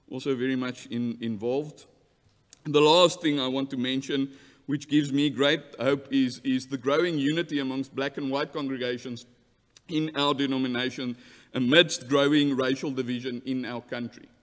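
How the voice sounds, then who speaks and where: An earnest man with an Afrikaans accent speaks at a lectern in a large church hall. His voice sits at an ordinary middle pitch and rings with long reverb. He talks formally but stumbles and restarts words now and then. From South Africa. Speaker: church delegate. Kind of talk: formal address to an assembly. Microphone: lectern mic.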